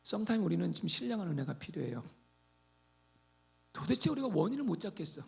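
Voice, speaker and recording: A man preaching a sermon as pastor, animated, swinging between loud exhortation and quiet asides. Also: high voice, brisk, gravelly.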